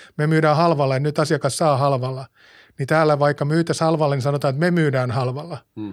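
A man with a slight Turku accent talks at a very fast pace and a fairly high pitch. His intonation is fairly even, on a very clean recording with a silent background. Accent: slight Turku-type dialect in intonation. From Finland, Varsinais-Suomi (Alastaro). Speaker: online retail CEO. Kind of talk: podcast interview. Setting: studio.

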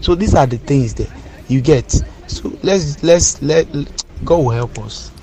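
Music plays in the background as a man speaks. His pitch variation is ordinary. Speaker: caller. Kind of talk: casual chat. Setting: phone call.

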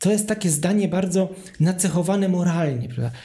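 A man's high-pitched voice with a dark, mellow tone and fairly even intonation. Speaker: art historian and exhibition curator. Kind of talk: interview.

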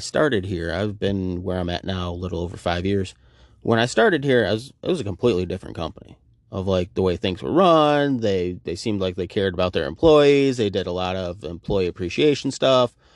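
In an ordinary speaking voice, a man talks at a fairly quick pace with a fairly low pitch and lively intonation. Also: quiet background. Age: 30s. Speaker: podcast host. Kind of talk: casual solo monologue. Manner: casual, conversational.

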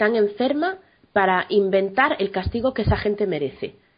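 Speaking at medium pitch, a woman sounds animated, with ordinary pitch variation. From Ferrol, Galicia, Spain. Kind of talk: casual chat.

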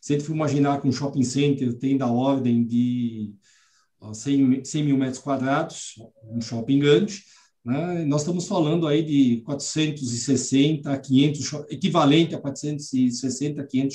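The man's pitch is fairly high, with ordinary pitch variation. He speaks at a very slow pace. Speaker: building automation engineer. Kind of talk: live video panel discussion.

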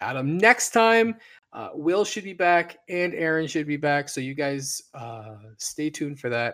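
Speaking at a fairly slow pace in an unremarkable speaking voice, a man with a fairly high pitch uses lively intonation and big swings in loudness on a very clean recording with a silent background. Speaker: podcast host. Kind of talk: casual chat.

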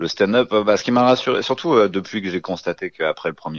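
The sound is dry and close with no echo, and the speech moves at a fairly quick pace. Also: man. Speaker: stand-up comedian. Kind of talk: casual chat.

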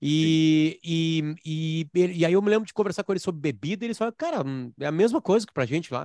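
A man with a Brazilian accent speaks at a fairly quick pace, high-pitched for a man. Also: ordinary pitch variation, dry, close sound with no echo. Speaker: podcast host. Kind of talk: casual chat.

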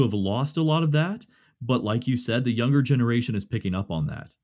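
A man's ordinary speaking voice with an American accent, medium in pitch, with ordinary pitch variation. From West Virginia, Morgantown. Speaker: podcaster. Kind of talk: casual chat.

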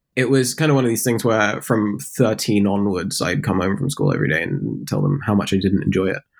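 Speaking at a fairly quick pace with hardly any pauses, a man uses a fairly low pitch, lively intonation and some vocal fry. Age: 20s. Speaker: software company founder. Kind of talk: interview.

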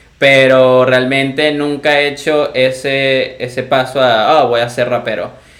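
At a fairly slow pace with hardly any pauses, a man of medium pitch talks with monotone, flat intonation. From Venezuela, San Cristóbal. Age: 20s. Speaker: rapper. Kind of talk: casual chat.

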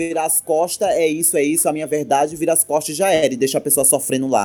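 Against background music, a man with a fairly high pitch speaks in an animated tone at a fairly quick pace. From Brazil, Northeast. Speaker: podcaster. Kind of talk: casual chat.

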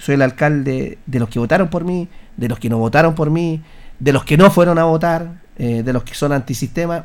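At a moderate pace, a man talks with an ordinary speaking voice pitched fairly high and ordinary pitch variation. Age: 40s. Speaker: mayor. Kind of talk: radio interview.

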